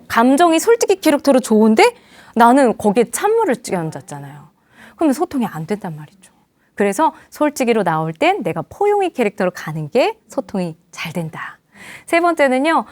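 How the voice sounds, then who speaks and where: A woman's voice: high voice, no echo. A woman communication coach lecturing, acting out quoted dialogue in different voices. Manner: lively, acts out quoted dialogue in many voices. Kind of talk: lecture with acted examples.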